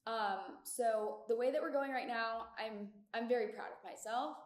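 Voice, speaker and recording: A woman's voice: a little high, normal speed. Chatty young woman in an echoey room. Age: 20s. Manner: chatty, upbeat, lots of filler words. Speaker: podcast host. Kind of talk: casual solo podcast chat. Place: echoey shared community room in an apartment building.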